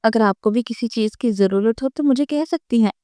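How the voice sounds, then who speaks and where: Oily, taunting young man in a storybook, voiced by a woman narrator; dark, smooth tone. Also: a little high, no room sound, clean studio sound, lightly acted. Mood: leering. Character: leering 25-year-old man, sleazy brother-in-law. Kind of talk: storybook reading.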